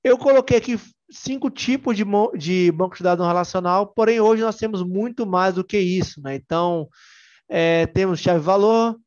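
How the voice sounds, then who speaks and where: A man's voice: sits high, normal speed, darkish tone, lo-fi sound. A young man with a Bahian Brazilian accent, giving a casual, joking technical conference talk full of fillers and restarts. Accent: Bahian Brazilian Portuguese. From Salvador, Bahia, Brazil. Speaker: tech conference speaker.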